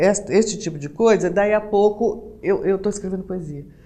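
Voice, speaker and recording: A woman's medium-pitched voice at a moderate pace. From São Paulo, Brazil, Minas Gerais family. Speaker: poet, author. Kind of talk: interview. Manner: halting, repeats words.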